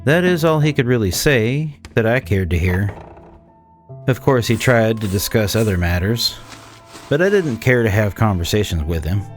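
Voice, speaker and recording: A man playing a cynical, disdainful 1800s swindler, narrating a gothic horror tale in a measured, condescending way. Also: lowish voice, expressive, soft background music, close to an everyday voice. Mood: grim, detached. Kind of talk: scripted dramatic horror narration.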